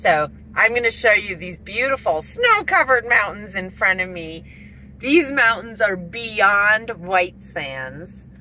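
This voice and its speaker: With vocal fry and lively intonation, a woman talks at a very slow pace over light background noise, the sound dry with no echo. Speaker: solo van-life vlogger. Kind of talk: casual vlog chat. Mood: cheerful, animated. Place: car. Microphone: phone near.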